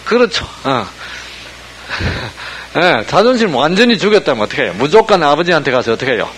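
Animated man preaching, faint hiss. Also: a little high, moderate pace, low-quality recording. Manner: animated, asks listeners rhetorical questions constantly. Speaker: pastor. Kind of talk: sermon with call-and-response questions.

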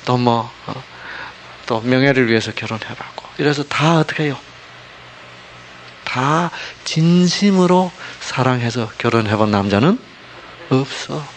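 A man preaches a sermon with a very lively, swooping pitch, throwing rhetorical questions at his listeners. He swings between loud emphatic phrases and near-whispered asides. A faint hiss of noise sits under the recording. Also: unhurried. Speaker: pastor.

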